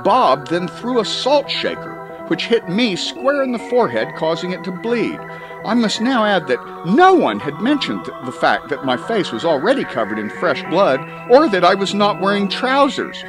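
A man reading a comic first-person story as an audiobook, with dramatic emphasis and drawn-out words. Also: high voice, big pitch swings, music in the background. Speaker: audiobook reader.

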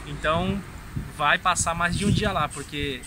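A man chats outdoors, telling his trip as a story and laughing at himself, his voice a little high. He is recorded on a phone held at arm's length in a garden. Loud wind and street noise run underneath him. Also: unhurried. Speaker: traveler recounting a trip. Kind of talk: casual outdoor chat. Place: outdoor garden by a fence, windy. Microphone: phone camera at arm's length.

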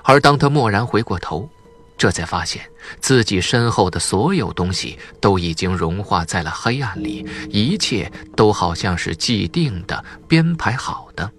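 A man's voice: lowish voice, animated, normal speed, a bit bright, faint music behind. A man narrating a suspense audiobook in a dramatic, theatrical storytelling manner.

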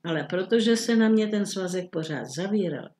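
A woman's voice: fairly low pitch, animated, darkish tone, roomy sound, slight background noise, natural voice. A woman reading the part of a flustered middle-aged male government minister, muttering and bewildered. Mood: puzzled.

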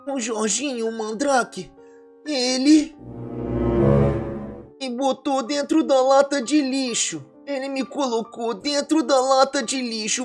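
A woman voicing a sensitive, bullied young boy who whines, sniffles and talks to the viewers in a game roleplay story. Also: high-pitched. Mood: sad. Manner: whiny, tearful, talking to viewers.

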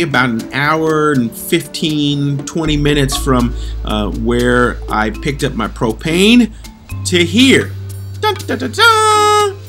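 This casual RV travel vlog features a middle-aged man with a mid-range, slightly bright voice, chatting cheerfully with plenty of fillers, plus voice-over. Shot on a phone at arm's length inside a car and then outside by an RV, it has a background music bed underneath.

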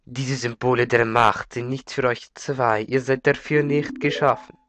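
A man with a slight cold voicing an imperious, power-hungry villain warlord, reading game dialogue aloud in a slow, commanding manner. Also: medium pitch, fairly even intonation, fairly bright tone, close to an everyday voice. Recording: game music behind.

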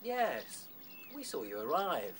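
A man's voice: a little high, wildly swooping pitch, slow, a bit bright, a little hiss or hum, heavily acted. A British man acting a suave, languid, aloof rabbit in a radio play, speaking formally and without hurry. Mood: aloof, courteous.

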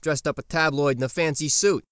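A man's voice: a little high, fairly quick, fairly bright tone, smooth, no echo, studio quality, lightly acted. A man playing a streetwise, sardonic teenage boy in a colloquial audio drama style. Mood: dry, defensive. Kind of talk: casual, colloquial fan audio drama acting.

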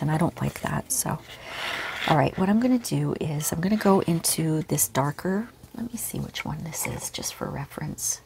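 A woman teaching a relaxed real-time painting lesson at home, speaking softly and often half-whispering. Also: low-pitched, a little hiss or hum. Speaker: art teacher. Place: home studio with pets nearby.

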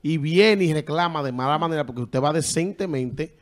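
Excitable man, fairly high voice. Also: moderate pace. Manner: exclaiming, talks over others. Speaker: talk show host. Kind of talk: excited casual chat.

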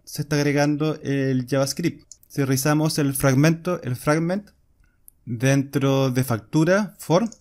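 A man's voice: medium pitch, darkish tone. A man, explaining a coding screencast step by step while he types. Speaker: programming instructor. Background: keyboard typing and clicks.

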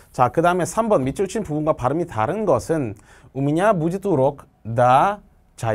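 A male language teacher explaining exam answers step by step, asking questions and answering them himself, and reading example sentences slowly. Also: mid-range voice, a little mellow. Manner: reads Russian example sentences slowly and clearly.

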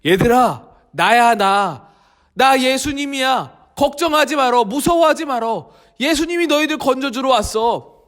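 A man voicing a calm, kind teacher who speaks gently and reassuringly. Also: high-pitched, takes it slowly, pitched below the performer's own voice, exaggerated voice.

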